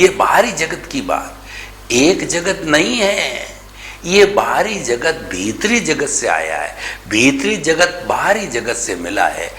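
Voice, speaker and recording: A man's voice: medium pitch, a bit bright. A man giving a spiritual discourse as a teacher, speaking emphatically, asking rhetorical questions and dropping English words into his talk. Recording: echoey room, faint ambient noise.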